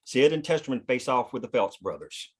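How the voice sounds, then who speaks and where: A man serves as narrator for a script read-through. He reads stage directions and scene headings in a mid-pitched voice. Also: expressive, brisk, breathy edge.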